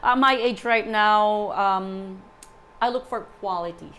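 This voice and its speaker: A woman in her forties, a guest in casual chat, talking in a halting way with repeated words and many "you know"s. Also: mid-range voice, a bit bright, a little hiss or hum, rough recording. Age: 40s.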